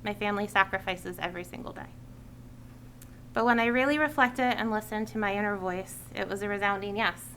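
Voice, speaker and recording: A woman's voice: mid-range voice, brisk, a bit bright, poor audio. Woman board chair, sincere prepared remarks, meeting-room mic with faint noise. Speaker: school committee chair. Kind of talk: prepared farewell speech at a public meeting.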